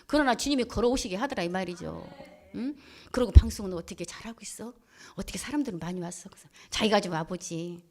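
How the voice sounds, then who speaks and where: A woman pastor giving a church testimony, telling her story in a lively, colloquial way. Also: medium pitch, quick pace. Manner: lively colloquial storytelling, acting out quoted voices. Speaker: pastor and head of a Christian broadcaster.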